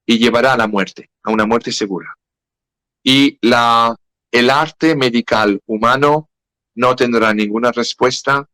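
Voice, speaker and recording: A man with a French accent speaking Spanish as a second language in a podcast interview, halting and searching for words. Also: mid-range voice, fairly bright tone, no echo, low-quality recording. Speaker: guest.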